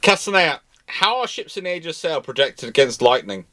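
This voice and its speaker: A man hosting an off-the-cuff history discussion, halting and self-correcting as he argues his points. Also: a little high, big pitch swings, pushed and bright. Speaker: live-stream host answering viewer questions.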